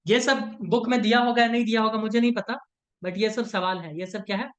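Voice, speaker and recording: The audio is dull as a man teaches an online class in a high-pitched, fairly bright voice with a steady tone and brisk delivery. He goes step by step, teasing in a playful way and constantly asking "right?" to confirm students follow.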